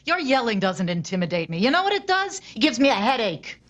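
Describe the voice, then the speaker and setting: An outspoken sister who refuses to be intimidated. Her slightly high voice is animated and sharp. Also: a little fast, highs cut off. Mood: defiant. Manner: defiant, sharp retorts.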